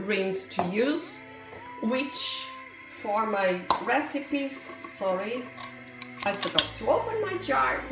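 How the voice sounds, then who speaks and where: A woman from Portugal with a Portuguese accent, chatting casually through a home cooking demonstration, rambling into asides with frequent hesitations. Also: medium pitch. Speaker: home cook. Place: home kitchen. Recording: echoey kitchen with music behind.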